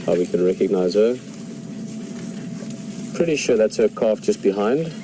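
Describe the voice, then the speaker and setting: A man's voice: lowish voice, expressive, measured pace. A man with a South African accent, an Afrikaans speaker, giving enthusiastic live safari commentary from an open vehicle, chatting to viewers. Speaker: safari guide. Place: outdoors, open game-drive vehicle in the bush. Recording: outdoor noise, vehicle and birds.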